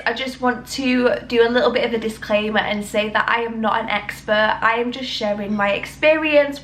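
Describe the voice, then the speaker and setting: A woman's voice: a little high, fairly bright tone, a little hiss or hum. A young woman with a British accent, talking chattily to camera and sounding nasal from a cold. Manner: chatty, rambling, reassuring. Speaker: health vlogger. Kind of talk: casual talk to camera.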